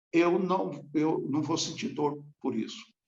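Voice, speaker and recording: A man's fairly high voice at a fairly slow pace, with audible room echo. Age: 70s. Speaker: spiritist lecturer. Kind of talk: lecture.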